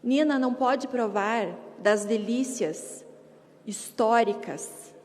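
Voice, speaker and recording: High-voiced woman speaking in an echoey hall. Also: slow, a little mellow. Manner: rhetorical, emphatic repetition in short phrases. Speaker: advocate addressing city council. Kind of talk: formal advocacy speech. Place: council chamber.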